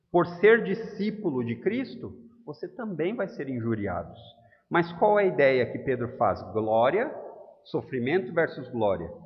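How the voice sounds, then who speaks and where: Male Brazilian pastor, lively intonation, emphatic preaching with questions to the pews, long church reverb. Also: mid-range voice. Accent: Brazilian Portuguese. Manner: emphatic, asks the congregation questions. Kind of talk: expository sermon. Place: church hall. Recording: dull, reverberant church recording.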